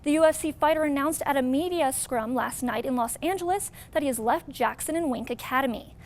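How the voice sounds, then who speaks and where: A woman's voice: sits high, a little fast, a little hiss or hum. A woman with an American accent reading a scripted sports newscast as the anchor.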